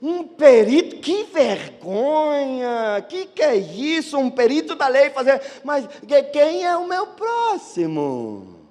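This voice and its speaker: A man with another first language preaching a lively sermon as a pastor, acting out the excuses people give. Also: very high voice, takes it slowly, in a large hall. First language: not Portuguese. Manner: animated, acts out excuses of churchgoers.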